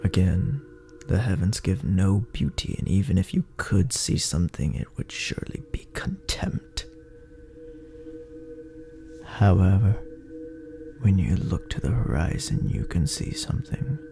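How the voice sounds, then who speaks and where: A man narrating a dark horror story in a brooding, theatrical, gravelly voice that often drops toward a breathy near-whisper. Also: sits low, very animated, unhurried, over music. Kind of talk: dramatic horror story narration in second person.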